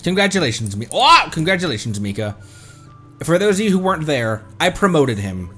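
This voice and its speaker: Male streamer: bright forceful tone, lively swoops, casual halting game reactions, faint music behind. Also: a little high, husky. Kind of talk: casual live game commentary.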